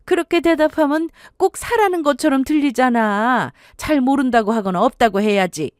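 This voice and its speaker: A woman voicing a kind, middle-aged future mother-in-law who fusses gently over her son's fiancée. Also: high voice, moderate pace, dry recording, studio quality, pitched above the performer's own voice, natural voice. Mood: fond teasing.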